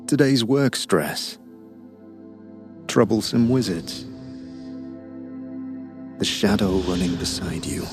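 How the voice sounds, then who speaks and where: A man playing a silky, sinister storyteller, narrating a hypnotic dark fairy tale with theatrical, lingering words. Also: on the low side, expressive, slow pace, long pauses, music in the background. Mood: hushed, ominous. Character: sinister, silky storyteller lulling a traveler to sleep. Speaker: bedtime storyteller.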